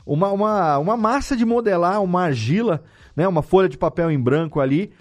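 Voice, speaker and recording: Hosting a casual, chatty podcast interview, a man with a Brazilian Portuguese accent speaks fairly quickly in a high-sitting voice, loosely rephrasing himself as he talks.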